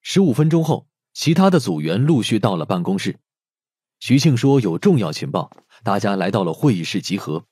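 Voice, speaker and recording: A man's voice: on the low side, sing-song, moderate pace, dark tone, husky, dry recording, studio quality. A man narrating a dramatic audiobook story in a scripted style. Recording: faint music under the voice.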